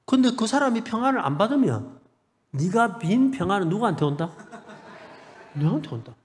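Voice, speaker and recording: A middle-aged male pastor with a Gyeongsang accent preaching a revival sermon, building to loud blessings and joking with the congregation. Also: sits high, big pitch swings, a little fast. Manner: preaching with rising shouted blessings and humorous asides to the congregation. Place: church sanctuary. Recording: long hall reverb in a church.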